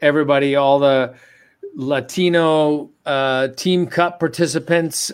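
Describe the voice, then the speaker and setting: Very slowly, a man with a fairly high pitch speaks with fairly even intonation. The recording is very clean, with a silent background. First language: English (speaking Spanish). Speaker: company executive. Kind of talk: corporate address with interpreter.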